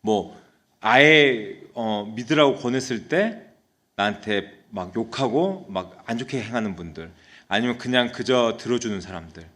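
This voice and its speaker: A man's voice: fairly low pitch, animated, normal speed, fairly bright tone. A man, a senior pastor, preaching a sermon in a church service, telling a story and often putting questions to the congregation. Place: church sanctuary during a live service.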